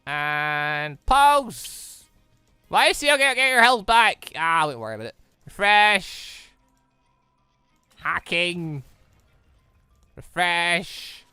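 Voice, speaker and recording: A gamer giving casual let's play commentary, muttering moves and thinking out loud. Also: medium pitch, big pitch swings, slow pace, long pauses, clear, resonant tone, no room sound, faint music behind. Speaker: gaming video host.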